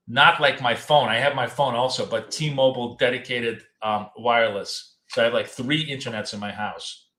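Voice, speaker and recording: A man's voice: mid-range voice, bright, forceful tone, echoey room. A man hosting a live trading stream from his home office. He talks in a loose, chatty way, repeats words often, and is losing his voice. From United States. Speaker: trading show host. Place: home office in a city apartment.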